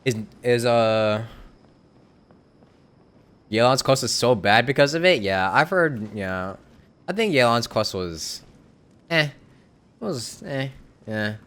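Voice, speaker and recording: A man's voice: mid-range voice, animated, slow, pauses often, a bit bright, smooth. A man streaming a video game, casual and laid-back. He laughs often and answers his chat. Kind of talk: casual live-stream commentary.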